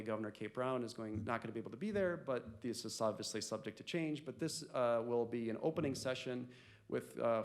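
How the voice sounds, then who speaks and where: Man presenting slides, halting delivery. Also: medium pitch. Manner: informal, halting with fillers. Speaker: presenter at a data conference. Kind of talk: conference presentation. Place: conference room.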